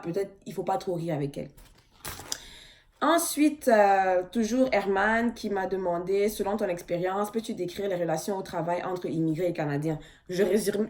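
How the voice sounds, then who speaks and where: A young woman talks to her viewers in a casual question-and-answer vlog. Her voice sits a little low for a woman. She speaks frankly and bluntly, with emphatic, direct delivery. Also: a little mellow.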